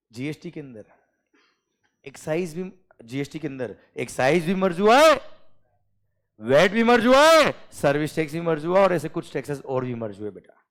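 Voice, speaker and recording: An Indian-accented male teacher lecturing a class, his voice slightly high and swinging widely in pitch. He reads out lines slowly, word by word, then explains them at speed. He keeps checking in with his students. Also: fairly bright tone. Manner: checks understanding often, calls students "beta" and "sir".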